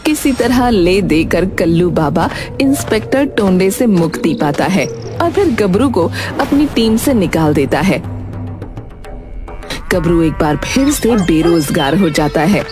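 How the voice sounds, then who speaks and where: A woman narrating a cartoon story in an even, storybook manner. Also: on the low side, a little slow, music in the background.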